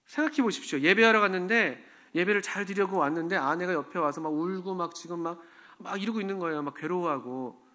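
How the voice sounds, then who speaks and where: Korean pastor preaching in a conversational way. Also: male voice, sits high, quick pace, bright, forceful tone. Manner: conversational, asks the congregation questions. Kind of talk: sermon. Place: church.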